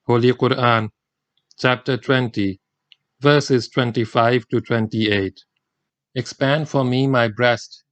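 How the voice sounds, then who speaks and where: A male audiobook narrator with a mid-range voice reads a religious text at a measured, formal pace. The recording is close and dry, with no room sound around him. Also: mid-range voice, steady tone, no room sound. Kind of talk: scripted audiobook reading.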